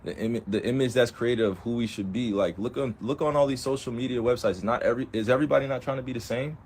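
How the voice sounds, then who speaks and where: A young man's impassioned livestream talk comes fast in a mid-range, slightly mellow voice, with slight background noise. He is emphatic and keeps circling back to rhetorical questions.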